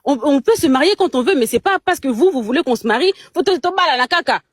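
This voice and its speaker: A woman's voice: sits high, expressive, fast talker, dry recording, clean studio sound. A young Congolese woman in a heated casual chat, speaking French with a Congolese accent, emphatic and indignant, stumbling over repeated words. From Democratic Republic of the Congo. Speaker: guest on a live chat.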